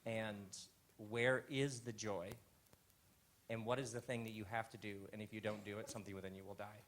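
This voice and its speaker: A man's voice: lowish voice, flat delivery, moderate pace, slight background noise. Reflective man telling stories on stage. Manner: reflective storyteller, drops soft on key lines. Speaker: host. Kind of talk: live stage talk with stories. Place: live theater stage before an audience.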